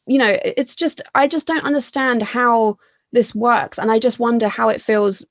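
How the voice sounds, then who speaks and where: A woman's voice: a little high, steady tone, normal speed, no echo, clean studio sound. A young woman hosting a podcast, asking earnest, impassioned questions that wander before she lands them. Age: young adult. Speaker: podcast host. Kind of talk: casual podcast conversation.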